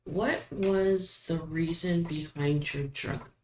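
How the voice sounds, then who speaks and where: A woman hosting a paranormal session, asking questions aloud and commenting casually, with halting pauses between them. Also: low-pitched, fairly even intonation, darkish tone. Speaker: host of a spirit box session. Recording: roomy echo, background noise.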